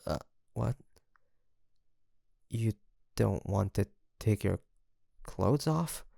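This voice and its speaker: Man voicing a slow, creaky, seductive incubus. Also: fairly low pitch, animated, dark tone, no room sound, studio quality, heavily acted. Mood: confused. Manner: theatrical, drawling, flirtatious, with pet names. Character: seductive, teasing male incubus demon, smug and sweet-talking. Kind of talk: intimate audio roleplay addressed to the listener.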